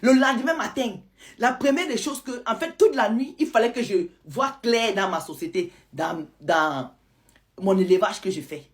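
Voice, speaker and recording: A woman, telling a listener's story to her audience in a lively, dramatic way. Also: mid-range voice, moderate pace. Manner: lively, retells a follower's account in first person. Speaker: storyteller host.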